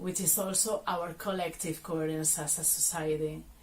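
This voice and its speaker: A woman talks at a moderate pace with a Galician accent. Her pitch is fairly low, and there is noticeable background noise. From Galicia, Spain. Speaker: novelist. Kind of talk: author presentation of own novel. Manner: hesitant, with filler sounds.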